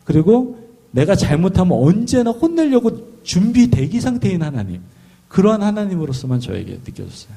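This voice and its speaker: Male preacher, storytelling sermon, fairly high voice, warm and slightly husky. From Seoul, South Korea. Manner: animated, storytelling, asks the congregation questions. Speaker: pastor.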